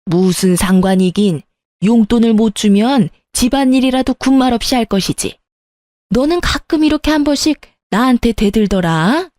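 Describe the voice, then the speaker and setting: Storybook mother-in-law, bossy and scolding, put on by a woman; low mellow tone, dry. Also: animated, no room sound, natural voice. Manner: curt, scolding, drawn-out commands.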